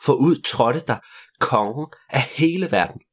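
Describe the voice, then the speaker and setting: A man's voice: medium pitch, expressive, slightly rough. A young man taking turns in an improvised story, playful and adding sound effects.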